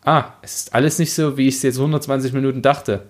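A man's voice: mid-range voice, steady tone, fast talker. A man co-hosting a casual book discussion, speaking colloquially as an emphatic, exasperated critic. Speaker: podcast co-host.

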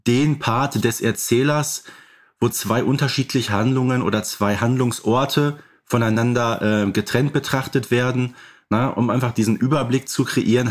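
A man co-hosting a casual podcast discussion, explaining things in a detail-minded way. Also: mid-range voice. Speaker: podcast co-host.

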